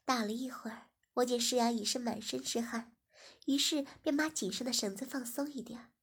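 A woman reads a first-person story aloud in a steady, low-key way. Her voice sits a little high, with a gravelly fry and a husky grain. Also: moderate pace. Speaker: story reader.

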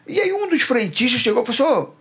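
A middle-aged man, a church program host who tells stories in a lively way and acts out the dialogue. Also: extremely high pitch, fast. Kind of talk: animated storytelling and Bible talk.

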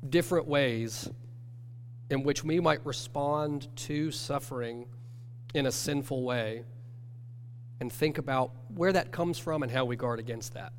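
A man, nasal from a cold, teaching a church class in an earnest, measured way. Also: medium pitch. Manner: earnest, measured, self-correcting. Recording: long hall reverb with faint hum.

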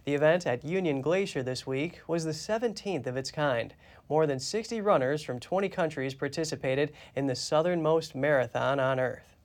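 A man anchoring a news program, reading scripted news in a steady, clear way. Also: a little high, normal speed.

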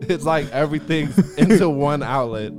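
A young man co-hosting a casual podcast, excitable and laughing. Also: fairly high pitch. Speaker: podcast co-host. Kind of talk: casual chat.

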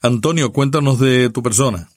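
A man with a Puerto Rican accent hosting a podcast, reading a scripted intro and interviewing guests in a measured, announcer-like way. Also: mid-range voice, no room sound, clean studio sound. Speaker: podcast host.

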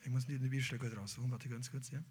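A man preaching a sermon as pastor, animated and emphatic, with sudden loud peaks. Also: medium pitch, racing, breathy edge.

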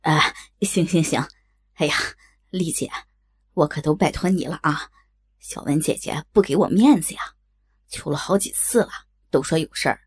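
A woman voicing a pushy, eager middle-aged male businessman with a raspy voice, pleading in a drawn-out way. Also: low-pitched, voice pushed down.

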